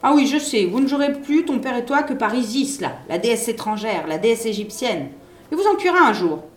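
A woman's voice: on the high side, big pitch swings, fairly quick. A superstitious old nurse, fussy and scolding, her words pushed out with force, as a woman reading a storybook puts her on. She fusses over gods and omens. The reading carries a roomy echo. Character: fearful, superstitious older female nurse.

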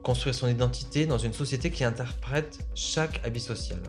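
A young man hosting a podcast, reading a reflective scripted introduction and asking interview questions in a measured way. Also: medium pitch, faint music behind. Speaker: podcast host.

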